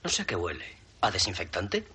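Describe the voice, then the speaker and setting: Casting: a grouchy poker pal, very deep and quick, hissy film track. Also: male voice, huge pitch swings, pushed and bright, full character voice. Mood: fed up. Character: irritable middle-aged poker buddy. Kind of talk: film dubbing.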